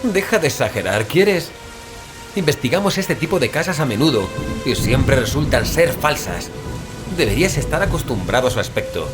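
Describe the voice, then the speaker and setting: A man's voice: mid-range voice, sing-song, moderate pace, close to an everyday voice. An actor from playing a sceptical, stubborn male paranormal investigator, casual, scoffing and impatient, in a horror audio drama. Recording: loud music, rain and thunder behind. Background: music, rain, thunder.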